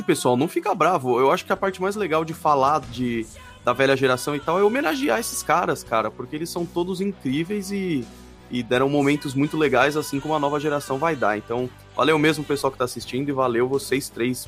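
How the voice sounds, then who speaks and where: Fast-talking Brazilian man. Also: on the high side, expressive, a bit bright, soft background music. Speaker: guest panelist. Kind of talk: casual live sports chat.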